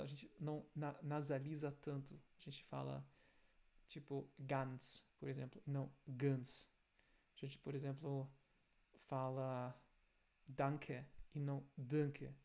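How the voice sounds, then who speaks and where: Gravelly German-accented man teaching sounds. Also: a little high, a little mellow. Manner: explains step by step, repeats example sounds slowly. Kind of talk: language lesson video.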